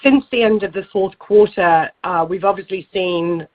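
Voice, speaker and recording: A woman's voice: medium pitch, moderate pace. A woman asking a spontaneous business question as a financial analyst, polite and somewhat hesitant. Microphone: telephone conference line. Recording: slightly dull phone-line sound.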